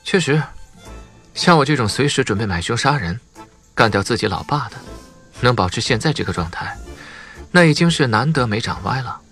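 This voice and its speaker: A man's voice: mid-range voice, lively intonation, moderate pace, pauses often, a bit bright, soft background music. A man voicing a cool, polished young rich man in an audiobook, sarcastic and mockingly polite. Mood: bitter sarcasm.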